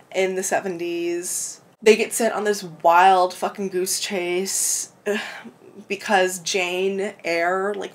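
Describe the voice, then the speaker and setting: A woman with a clogged-up throat, chatting casually at home about books she read, rambling, laughing and swearing freely. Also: medium pitch. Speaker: book vlogger. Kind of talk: casual book review chat. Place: home room with window open.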